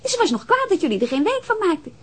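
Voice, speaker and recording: A high, animated voice as a teenage daughter in a radio play. She is chatty and inquisitive, her intonation skipping up and down. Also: racing. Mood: curious, animated. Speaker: radio drama actor. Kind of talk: naturalistic radio drama acting.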